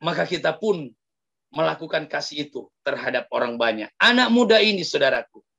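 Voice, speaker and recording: A male pastor telling a story in an animated sermon, often addressing the congregation directly. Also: fairly high pitch, fairly quick, creaky, breathy edge. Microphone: livestream sermon mic.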